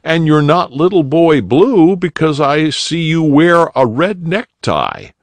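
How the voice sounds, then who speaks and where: A cheerful old rabbit gentleman from a storybook, voiced by a man, kindly and eager to help. His voice swoops up and down, lifted above the narrator's and with a gravelly grain. Dry and close. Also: a little high, sing-song, takes it slowly, no room sound, pitched above the performer's own voice, exaggerated voice. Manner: jolly, kindly, storybook warmth.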